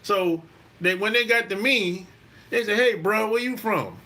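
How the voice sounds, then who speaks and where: A man's voice: high-pitched, a little slow, pushed and bright. A middle-aged man from South Carolina, hosting a podcast and telling a story in a loose, profane way, full of "you know.". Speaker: podcast host. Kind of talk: casual storytelling monologue.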